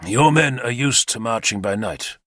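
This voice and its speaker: A man voicing a confident, energetic male war leader who lays out battle plans decisively. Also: lowish voice, moderate pace, dry recording, clean studio sound. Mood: commanding. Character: bold confident male warlord commander.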